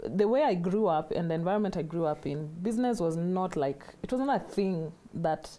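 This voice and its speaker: Mellow Kenyan woman explaining in an interview. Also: on the low side, fairly quick. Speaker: guest financial consultant. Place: TV studio.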